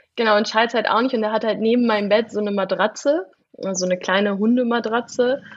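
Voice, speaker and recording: A woman speaks in an unremarkable speaking voice. It sits fairly high for a woman, with ordinary pitch variation. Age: 30s. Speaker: pet influencer. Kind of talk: podcast interview. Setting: studio.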